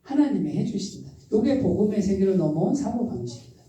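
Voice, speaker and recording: Dark-voiced pastor preaching in an echoey church. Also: male voice, sits high, lively intonation, a little fast. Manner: emphatic, asks the congregation rhetorical questions. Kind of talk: sermon. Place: church sanctuary. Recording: very echoey church hall, voice from far off.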